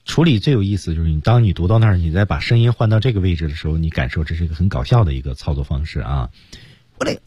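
A man's voice: deep voice, darkish tone, slightly rough, no room sound, studio quality. A man teaching English pronunciation on an educational radio lesson, animatedly demonstrating lines with shifts of voice.

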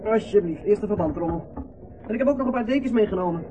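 An actor playing a talkative, good-natured, dreamy young drifter in a radio play, wry and rambling. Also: male voice, high voice, lively intonation, quick pace. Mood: breathless, excited. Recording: muffled, noisy old radio play recording.

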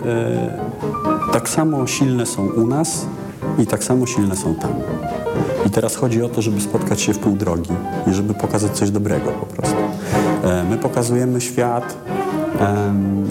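A man from Poland, a musician giving a reflective interview in a hesitant, thoughtful way, often restarting his words. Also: fairly low pitch. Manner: hesitant, halting, thoughtful delivery with repeated word starts. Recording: long reverb, clear music behind.

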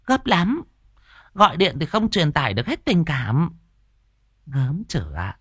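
A man voicing a fat, jealous middle-aged woman who sells tripe porridge, shrill and scolding. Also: wildly swooping pitch, measured pace, fairly bright tone, breathy edge, dry recording, studio quality, exaggerated voice. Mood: flirty.

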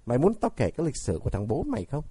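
A man reading a storybook who voices a bitter aging mother, pleading and shouting in rage. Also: fairly low pitch, sing-song, a little fast, breathy edge, no room sound, exaggerated voice. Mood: furious. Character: bitter aging mother, tearful then furious.

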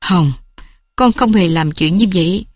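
A woman's voice: lowish voice, a little slow, no room sound, studio quality. A woman voicing a worried mother who soothes her daughter and implores her husband. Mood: soothing.

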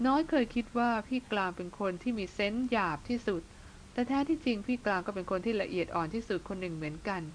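A woman's voice: medium pitch, animated, fast, slight background noise, close to an everyday voice, poor audio. A woman reading the part of a spirited young woman who speaks earnestly and affectionately to her older brother.

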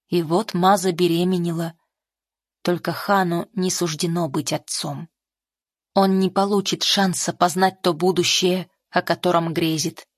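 Woman audiobook narrator, lower register, measured, dry studio sound. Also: dry recording. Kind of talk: scripted narration of a novel.

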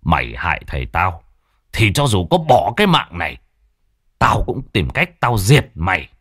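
A man voicing a stern middle-aged village exorcist, speaking gravely and with authority. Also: deep voice, huge pitch swings, moderate pace, fairly bright tone, no echo, studio quality, full character voice. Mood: vengeful. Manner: grave, commanding.

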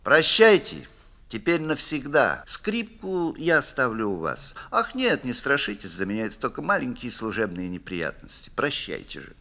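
A man's voice: medium pitch, huge pitch swings, normal speed, sharp tone, exaggerated voice. A man voicing the devil disguised as a grey notary, dry, courteous and mocking. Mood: weary. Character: sly polite male devil posing as notary.

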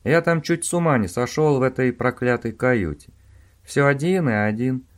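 A man's voice: medium pitch, normal speed, pitched above the performer's own voice, close to an everyday voice. A man voicing a frightened accomplice who pleads and swears he did nothing wrong. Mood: pleading. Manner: pleading, whining. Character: whiny, frightened male accomplice.

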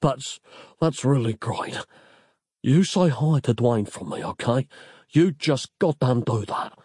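Man playing a gruff hard-boiled male detective. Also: fairly low pitch, animated, moderate pace, no room sound, studio quality. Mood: grieving. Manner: gruff, choked up.

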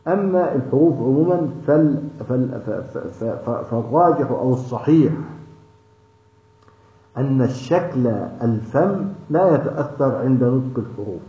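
A man's voice: mid-range voice, lively intonation, mellow. Guy teaching quran pronunciation, lots of stop-start restarts, roomy echo, kinda dull muffled sound. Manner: hesitant, with many restarts and drawn-out fillers. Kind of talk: explaining tajweed in a class session. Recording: echoey, dull lo-fi room recording.

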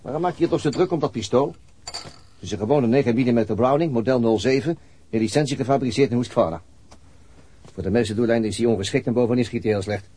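A man's voice: medium pitch, fast talker, warm tone, husky, natural voice. An actor playing a weary middle-aged detective and father, laconic and dryly sardonic, in a naturalistic radio play. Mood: irritated, sardonic.

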